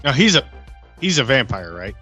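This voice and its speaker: A man's voice: mid-range voice, very animated, normal speed, bright, forceful tone, muffled recording, soft background music. A man playing a tabletop role-playing game, talking casually and in character.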